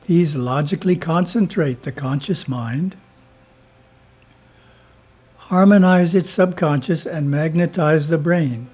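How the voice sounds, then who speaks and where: Mellow, husky man reading slowly. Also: a little high. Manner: slow, measured, chanting Om. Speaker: spiritual teacher. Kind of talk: reading a spiritual editorial.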